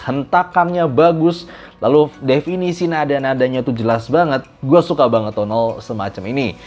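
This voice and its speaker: A man from Indonesia giving a casual, animated spoken review of audio gear, mixing in English phrases. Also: mid-range voice.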